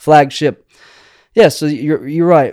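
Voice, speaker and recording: In a very clean recording with a silent background, a man with a Texan accent speaks in a dark, mellow tone. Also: dry, close sound with no echo. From Houston, Texas. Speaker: singer-songwriter. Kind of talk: casual chat. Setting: home studio.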